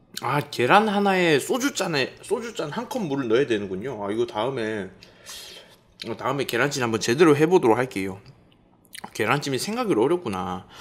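Talking at a fairly quick pace, a man swings his pitch very widely. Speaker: eating show streamer. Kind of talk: casual vlog chat. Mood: playful, chatty. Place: home room.

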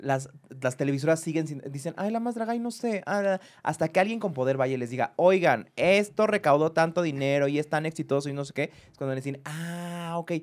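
A man at a fairly quick pace with lively intonation, quiet background. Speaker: comedian. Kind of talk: casual chat. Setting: studio. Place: studio. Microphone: studio mic.

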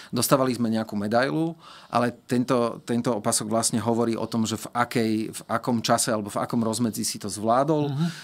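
With ordinary pitch variation and a medium pitch, a man rattles off his words at a very fast pace. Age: 40s. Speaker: ultramarathon runner; guest. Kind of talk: interview. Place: studio. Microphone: studio mic.

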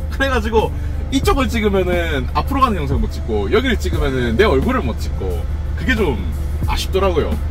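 This man keeps a fairly quick pace while music plays clearly in the background. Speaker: car vlogger. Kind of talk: casual vlog chat. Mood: amused, self-deprecating. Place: car. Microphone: phone near.

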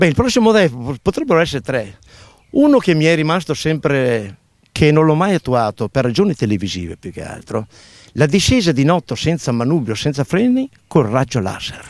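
Recorded dry and close with no echo, a man talks at a fairly quick pace and a fairly high pitch, his pitch swinging very widely. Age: 70s. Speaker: extreme cyclist. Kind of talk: interview. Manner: animated.

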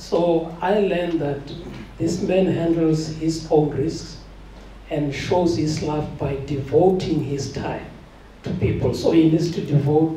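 A man speaks at a fairly slow pace. Light background noise and audible room echo are present. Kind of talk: public speech testimonial. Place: hall.

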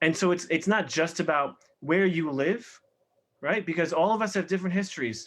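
With an American accent, a man talks at a fairly quick pace in a fairly high pitch. His pitch variation is ordinary, and the recording is very clean with a silent background. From New York City (Northwest Bronx). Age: 30s. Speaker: city council candidate. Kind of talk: political debate. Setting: virtual town hall.

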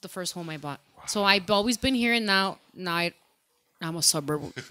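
A woman with an American accent talks at a moderate pace in a bright, sharp tone, with ordinary pitch variation and big swings in loudness. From Chicago area, US. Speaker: musician. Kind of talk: casual chat. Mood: relaxed, candid, humorous. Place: studio. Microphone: studio mic.

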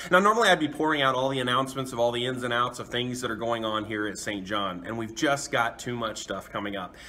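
Here a man talks with hardly any pauses. His pitch varies in an ordinary way. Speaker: pastor. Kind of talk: welcome announcements, then prayer. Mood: warm, upbeat. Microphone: phone near.

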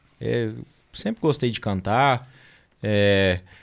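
A man speaks against a quiet background. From Brazil. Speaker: country singer; guest. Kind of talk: casual interview chat. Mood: relaxed storytelling. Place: studio. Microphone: studio mic.

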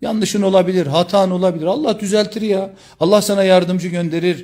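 Against a quiet background, a man with a high pitch talks at a fairly quick pace. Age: 50s. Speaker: educator and self-help author; educator. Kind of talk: religious motivational talk on a live stream. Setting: live stream. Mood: warm, earnest, encouraging. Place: home room. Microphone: phone near.

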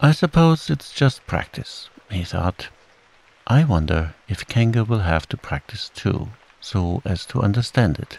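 A soft-spoken man's somewhat breathy, soothing, medium-pitched voice with very wide pitch swings at a fairly slow pace, in a dry, close sound with no echo. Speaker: audiobook narrator. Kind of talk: bedtime story telling, gentle read-aloud narration for sleep. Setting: home recording with gentle rain sound in background. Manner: soft-spoken, slow and soothing, gently lilting; gloomy drawl for Eeyore, lightly voiced characters.

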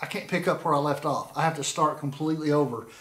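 There is audible room echo as a man speaks. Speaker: channel host. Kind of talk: casual vlog chat. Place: workshop. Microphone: phone near.

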